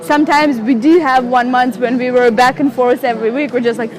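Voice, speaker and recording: A woman's voice: sits high, a little fast, some chatter behind. A young woman from Russia speaking English with a Russian accent, chatting emotionally in an interview. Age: young adult. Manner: emotional, animated, fillers and restarts. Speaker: interviewee, model and blogger. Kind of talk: casual interview chat. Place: outdoors on a city street.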